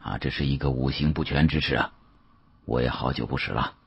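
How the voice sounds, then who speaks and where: A man voicing a shrewd senior bureau chief in an audiobook, genial and testing, with unhurried, teasing authority. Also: very deep voice, steady tone, breathy edge, dry recording, highs cut off, voice pushed down, exaggerated voice. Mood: cryptic, amused.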